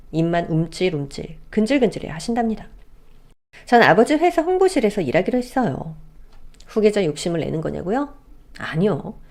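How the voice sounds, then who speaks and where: A woman narrates a scripted first-person story in a chatty, conversational tone. Her pitch moves lively up and down as she tells it.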